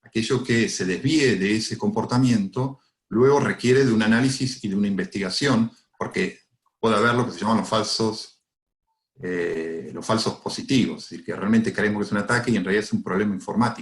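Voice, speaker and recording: Fairly quick speech from a man at medium pitch, with ordinary pitch variation. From Argentina. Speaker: cybersecurity company director. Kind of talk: webinar Q&A answers. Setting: online webinar. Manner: halting, many fillers.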